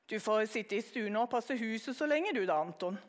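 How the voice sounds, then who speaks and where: A woman's voice: a little high, lively intonation, close to an everyday voice. Woman doing a hearty, teasing father. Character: jovial fibbing father.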